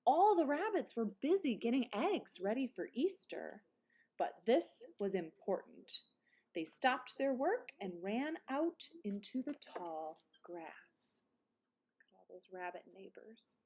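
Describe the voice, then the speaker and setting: A woman reading a children's picture book aloud like a teacher, with dramatic emphasis and quieter explanatory asides. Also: on the high side, sing-song, slow pace, slightly rough. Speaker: read-aloud presenter, teacher. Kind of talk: expressive children's storybook narration with explanatory asides.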